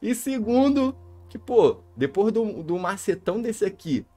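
A man's voice: high-pitched, big pitch swings, measured pace, warm tone. Hyped Brazilian man calling his gameplay. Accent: Brazilian Portuguese. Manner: hyped, joking, peppers talk with slang fillers. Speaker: gaming YouTuber. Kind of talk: excited gameplay commentary. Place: home under renovation. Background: faint background music.

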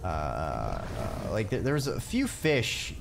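A man's voice: low voice, wildly swooping pitch, slow, creaky, noisy background. A man livestreaming a video game with casual, rambling, hesitant commentary.

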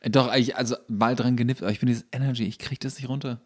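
A man co-hosting a podcast, chatting casually and comically in a halting, colloquial way. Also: medium pitch, steady tone. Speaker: podcast co-host. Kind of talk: casual comedic chat.

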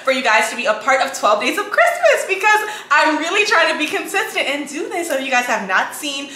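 A young woman, a bit hoarse from a cold, chatting casually to her viewers from her home kitchen. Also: sits high, sing-song, fairly quick, pushed and bright. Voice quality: raspy. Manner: chatty, addresses viewers as guys and y'all. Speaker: lifestyle vlogger. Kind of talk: casual chat to camera. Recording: echoey kitchen with faint noise.

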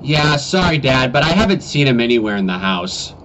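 A man's voice: mid-range voice, big pitch swings, a little fast, fairly bright tone, slight background noise, pitched below the performer's own voice, low-quality recording. A man voicing a laid-back, helpful young daughter in an amateur comedy animation, recorded on a cheap webcam mic. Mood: casual.

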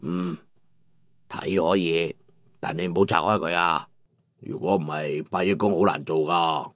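A man's voice: deep voice, fairly even intonation, unhurried, a bit bright, no echo, clean studio sound. An actor playing an elderly, patient master craftsman in a Cantonese audio drama, genial and avuncular but unbending. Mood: genial, firm. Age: older.

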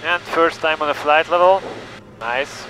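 A young man talks through his flight from the cockpit of a small plane, calm and methodical. His headset mic picks up a steady engine drone behind him. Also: a little high, unhurried, slight background noise, poor audio. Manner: calm, methodical, reads back clearances. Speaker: private pilot. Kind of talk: cockpit narration and radio calls. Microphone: headset boom mic.

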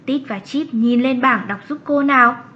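A kind young cartoon schoolteacher, voiced by a woman, fairly high in pitch. She encourages her pupils in measured phrases, on a slightly dull recording. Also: close to an everyday voice. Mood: encouraging. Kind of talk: children's educational cartoon lesson.

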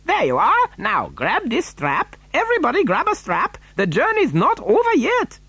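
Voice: medium pitch, huge pitch swings, moderate pace, slightly rough, no room sound, voice pushed up. A storyteller voicing a flamboyant, gallant man who owns a chocolate factory, theatrical, gleeful and breezily unbothered.

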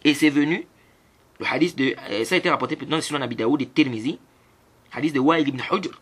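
A man's voice: a little high, fairly quick, husky. A man teaching a religious lesson on prayer, who asks rhetorical questions and answers them himself and recites hadith in Arabic between his French explanations. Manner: interjects approving Arabic words between points. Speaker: Islamic teacher.

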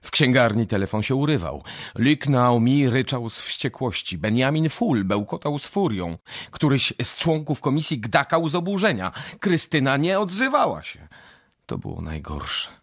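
A man narrating a radio drama as an expressive, scripted storyteller. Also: medium pitch, normal speed, no echo, studio quality.

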